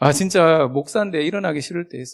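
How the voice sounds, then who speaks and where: This man talks fairly quickly at a fairly high pitch, with ordinary variation in it. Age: 40s. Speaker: missionary pastor. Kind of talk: sermon.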